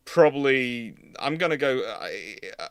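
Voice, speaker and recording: A man's voice: mid-range voice, big pitch swings, normal speed, smooth, dry recording. A man hosting a live history question-and-answer discussion, explaining his opinions emphatically with many digressions. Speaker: host, naval historian.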